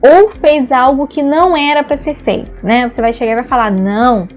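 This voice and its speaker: A Brazilian ABA therapy instructor, her voice sitting high and her pace fairly quick, leads an online lesson in Brazilian Portuguese. She explains patiently, leans on frequent "né?" tags, and performs examples of praise and "no." Faint music runs behind a muffled recording.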